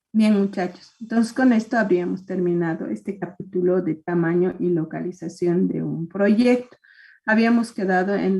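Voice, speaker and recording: A woman speaks with a dark, mellow, somewhat breathy tone. Her pace is fairly slow, with ordinary pitch variation. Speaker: university lecturer. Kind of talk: lecture.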